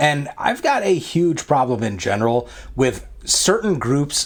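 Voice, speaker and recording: A man's fairly high voice at a very slow pace, with very wide pitch swings, on a very clean recording against a silent background. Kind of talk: casual talk to camera.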